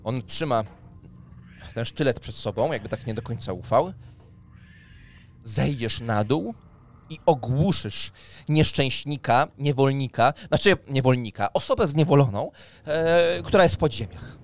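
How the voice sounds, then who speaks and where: A man narrating a tabletop role-playing game as game master, improvising in a halting way and repeating words. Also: mid-range voice, lively intonation. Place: indoor streaming room. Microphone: microphone on boom arm, close, with headphones.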